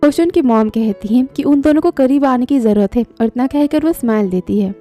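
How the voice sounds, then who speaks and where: A woman's voice: sits high, a little fast, mellow, faint music behind. A woman narrating a drama plot recap, reading every character's lines in her own voice.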